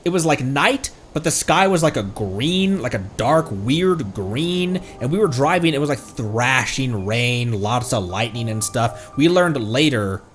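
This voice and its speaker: An American man chatting casually on a game livestream in a rambling, halting way. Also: mid-range voice, animated. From American Midwest and Tornado Alley region. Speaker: game streamer. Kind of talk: casual livestream chat over gameplay. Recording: game music behind the voice. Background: video game music.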